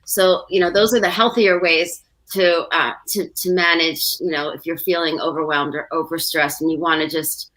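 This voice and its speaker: A woman's voice: low-pitched, fairly even intonation, moderate pace, few pauses, a bit bright, rough recording. A woman co-hosting a livestream talk show, chatting casually and giving practical advice with personal examples, full of fillers.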